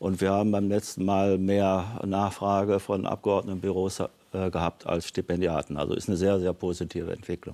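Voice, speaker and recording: A man speaks at a moderate pace with a very deep, low pitch and a dark, mellow tone. His intonation is monotone and flat, his loudness very even. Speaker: member of parliament. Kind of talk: panel discussion.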